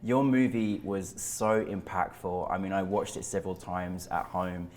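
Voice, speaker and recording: A man's voice: sits low, steady tone, a little slow, a little mellow. A man hosting a film interview, effusive and enthusiastic, rambling as he praises the film. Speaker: interview host. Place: indoor venue.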